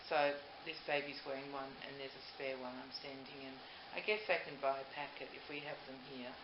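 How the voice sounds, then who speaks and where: A woman's voice: extremely low pitch, steady tone, fairly quick. An older woman chats casually to camera as a doll maker, gushing and rambling, in a home recording. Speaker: doll maker and video host. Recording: roomy, muffled, noisy home recording.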